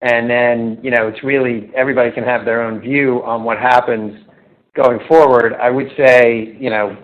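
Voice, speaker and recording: A man speaking as a company executive, giving measured, unscripted answers on a corporate call. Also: mid-range voice, fairly even intonation. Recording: slightly dull, lo-fi conference audio.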